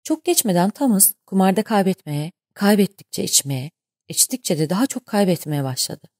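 Audiobook narrator, woman, steady and measured, mellow warm tone. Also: mid-range voice, no echo, studio quality. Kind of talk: scripted narration.

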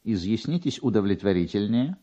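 Storybook nose as a pompous state official, male reader: curt, dignified, slightly husky, widely varied intonation. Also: lowish voice, big pitch swings, brisk, mellow, lo-fi sound. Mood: curt, dismissive. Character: haughty, pious nose in a state councillor's uniform. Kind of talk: dramatic literary reading.

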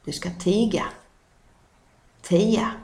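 A woman with a Scanian Swedish accent teaches dialect words in a patient lesson, repeating each term and explaining what it means. Her voice has a gravelly edge. The room gives it a noticeable echo. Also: mid-range voice, darkish tone.

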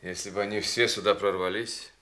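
A man's voice: fairly low pitch, fairly even intonation, a little fast, bright, forceful tone. An actor playing a restrained, disapproving man in a family audio drama, terse and reproachful. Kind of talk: Soviet audio stage drama acting.

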